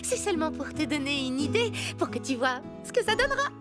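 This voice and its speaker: A woman voicing an excitable, theatrical young girl fashion designer in a children's cartoon, gushing and dramatic. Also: high-pitched, fairly quick, over loud music. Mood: excited. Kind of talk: French animated children's cartoon dialogue.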